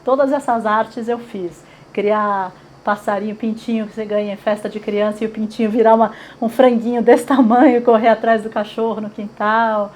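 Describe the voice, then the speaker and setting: Her voice is on the high side yet darkish, steady and at normal speed with few pauses. She's a São Paulo woman in her forties with a paulistano accent, chatting in an oral history interview and relying on many fillers and tag questions.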